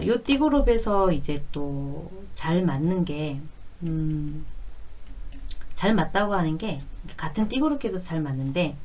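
A woman in her forties giving a conversational explanatory lesson, going step by step and repeating key phrases. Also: lowish voice. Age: 40s. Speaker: fortune-telling teacher.

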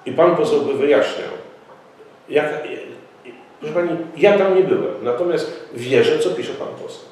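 A man's voice: on the high side, a little mellow. A middle-aged man at a press conference, speaking formally and insistently, with frequent hesitations. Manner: formal, insistent, halting with fillers. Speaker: local party representative. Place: office room, indoors. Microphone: far camera mic. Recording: echoey room, voice from far off.

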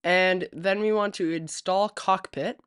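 A man hosting a tech tutorial, walking through software setup step by step as a voice-over at a USB desk microphone. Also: sits high, measured pace, clear, resonant tone, no room sound, studio quality. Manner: steady step-by-step instruction. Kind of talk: screen-recorded software tutorial.

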